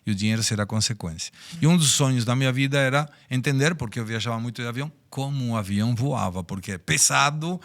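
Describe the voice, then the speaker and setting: A man's voice: medium pitch, gravelly. Argentine man in his sixties, reflective. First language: Spanish. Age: 60s. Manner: reflective, storytelling, speaks of personal life lessons. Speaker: guest. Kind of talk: podcast interview.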